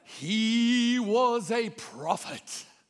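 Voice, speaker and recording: This put-on character voice sits at a fairly high pitch. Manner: solemn, pious.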